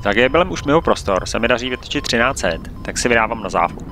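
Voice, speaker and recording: A man calmly narrating his own flight video in a steady, matter-of-fact voice-over. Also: medium pitch, soft background music. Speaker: paraglider pilot and vlogger.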